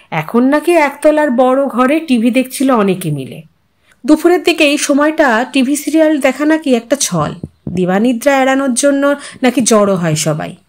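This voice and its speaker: A woman reading a literary story aloud as a narrator, in a dramatized, musing manner. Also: high voice. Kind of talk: expressive scripted story narration.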